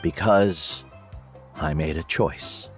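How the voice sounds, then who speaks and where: An actor playing a wise older male tribal guide in a video game, kindly, measured and earnest in his explanations. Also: extremely low pitch. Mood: gentle, knowing. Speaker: mentor. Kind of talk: scripted game dialogue. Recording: background music under the dialogue.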